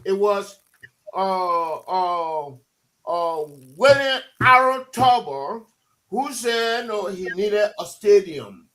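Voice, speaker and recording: A man's voice: sits high, animated, very slow, pushed and bright, poor audio. A man from Liberia with a Liberian English accent, a guest in a heated live radio debate who insists and repeats words to hold the floor. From Liberia, Maryland County. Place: radio studio.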